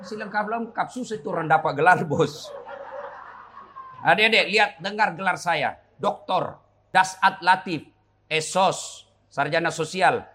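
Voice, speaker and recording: A man's voice: high voice, unhurried, noisy background. A middle-aged man, preaching a humorous sermon to young people with joking asides and rhetorical questions.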